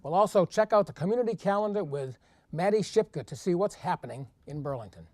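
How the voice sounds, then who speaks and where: High-pitched, mellow male news anchor. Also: animated, fast, no echo. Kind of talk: scripted local news narration.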